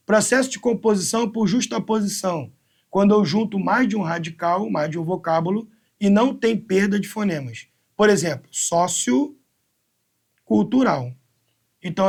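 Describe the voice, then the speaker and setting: A man with a fairly high voice and a Brazilian Portuguese accent teaches a live exam-prep class. He works through each question step by step and counts syllables out slowly, one by one. He speaks close to the mic.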